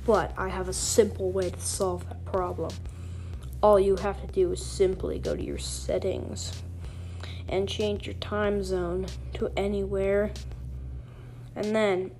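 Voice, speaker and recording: A teenage girl hosting a casual solo podcast, rambling and joking at her own expense, her voice sore and cracky with frequent throat clearing. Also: medium pitch, expressive, slow, a little mellow, faint music behind. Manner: rambling, self-deprecating, many ums and throat clearing. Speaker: podcast host.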